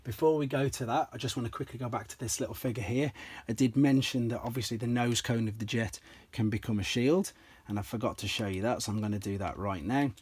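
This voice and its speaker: A slightly hoarse man, an enthusiastic toy collector, casually explaining and demonstrating pieces from his collection step by step, with frequent ums. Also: mid-range voice, quick pace, hardly any pauses, darkish tone. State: slightly hoarse, clears throat.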